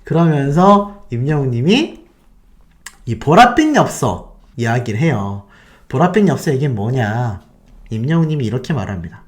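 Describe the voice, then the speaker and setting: A man hosting a fan channel, excitedly retelling events and throwing rhetorical questions at his viewers. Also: mid-range voice, normal speed. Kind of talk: animated storytelling to viewers.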